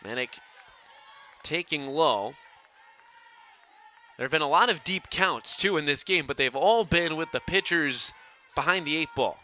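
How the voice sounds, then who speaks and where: A man's voice: a little high, measured pace, long pauses, bright, forceful tone, a faint crowd. A young man calling live sports play-by-play in a projected voice that rises for big plays. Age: young adult. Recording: faint ambient outdoor noise behind.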